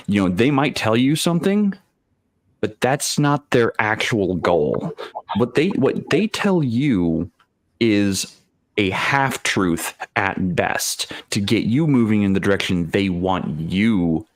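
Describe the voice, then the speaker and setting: A man with a fairly low voice, recorded close and dry, chats casually on an online gaming panel. He speaks haltingly as he thinks aloud, with blunt, slangy turns of phrase. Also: no room sound. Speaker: game master on a tabletop role-playing panel. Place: remote online video call.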